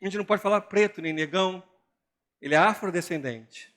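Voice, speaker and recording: An older man, a pastor with a Brazilian Portuguese accent, preaching an animated, joking sermon and mimicking other people's voices. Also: high voice, fairly quick.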